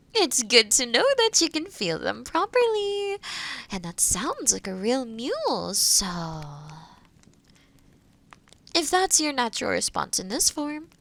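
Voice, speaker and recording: Woman playing a kindly, high-voiced forest witch. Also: gravelly, exaggerated voice. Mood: tender, delighted. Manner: gentle, reassuring, explanatory. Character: kind, gentle forest witch guiding a transformation. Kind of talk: fantasy audio roleplay, spoken softly to the listener.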